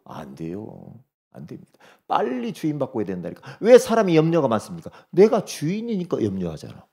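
A man preaching a sermon as pastor, swinging from loud urging to quiet asides and speaking directly to congregation members. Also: mid-range voice, wildly swooping pitch, fairly quick, vocal fry, slightly rough.

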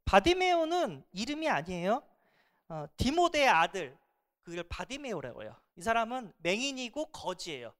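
A pastor delivers a sermon with a lively pitch that climbs and drops freely. The delivery is emphatic, alternating between loud emphasis and hushed asides. Rhetorical questions are put to the congregation again and again. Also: moderate pace.

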